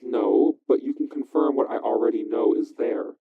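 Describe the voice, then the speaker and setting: An actor playing a wary, excitable conspiracy investigator in an audio drama, informal, skeptical and sweary, heard through a phone. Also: male voice, mid-range voice, normal speed, breathy edge. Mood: wary, bargaining. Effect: phone line filter. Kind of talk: audio drama dialogue over a call. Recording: thin, narrow-band phone line.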